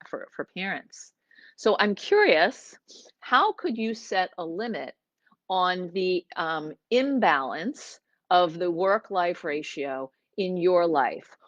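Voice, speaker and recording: Middle-aged woman hosting a webinar, conversational and a bit halting, low-pitched, flat lo-fi dry audio. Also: no room sound. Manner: conversational, halting with fillers and restarts, reading questions from chat. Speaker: clinical psychologist hosting a webinar. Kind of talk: casual webinar talk.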